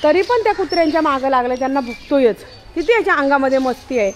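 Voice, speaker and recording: High-pitched woman scolding her dog. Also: expressive, fast talker, slight background noise. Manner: scolding, chiding a dog loudly. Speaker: vlogger talking to her pet dog. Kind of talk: casual home vlog.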